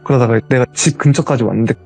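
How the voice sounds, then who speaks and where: A man telling his own ghost story as a guest, in a casual, animated retelling. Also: mid-range voice, quick pace, gravelly, soft background music.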